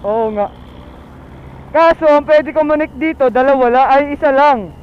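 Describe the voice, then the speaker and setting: A Filipino man vlogs from his motorcycle in traffic, talking casually to viewers and repeating short phrases again and again. He speaks at a moderate pace in a very high-pitched voice. The recording is dull and lo-fi, with loud traffic and engine sounds.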